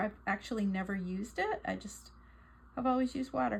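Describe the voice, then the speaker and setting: A somewhat breathy woman's voice at a medium pitch. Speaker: craft tutorial host, shop founder. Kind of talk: tutorial. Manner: casual, chatty with filler words.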